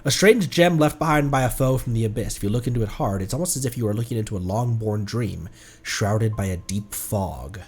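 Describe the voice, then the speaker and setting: A man's voice: lowish voice, fairly quick, husky. A man giving casual live gameplay commentary as a streamer, chatty and thinking aloud. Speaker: video game streamer. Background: faint game music.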